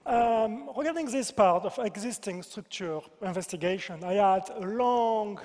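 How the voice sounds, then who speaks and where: A man's voice: high-pitched, unhurried, darkish tone. A man with a French accent giving a conference presentation as a game designer, playful and self-deprecating, with joking asides. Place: large convention hall. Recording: reverberant hall.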